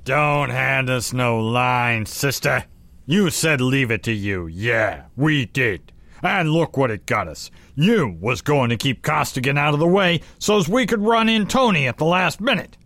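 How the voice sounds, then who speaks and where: An actor playing a bullying small-time fight fixer, sneering and accusing in slangy hard-boiled radio-play style. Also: male voice, medium pitch, expressive, measured pace, fairly bright tone, no echo.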